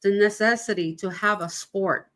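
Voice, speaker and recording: A woman's voice: medium pitch, moderate pace, fairly bright tone. A woman from New York hosting a casual livestream interview, chatty and rambling, laughing often. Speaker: podcast host. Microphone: video call livestream.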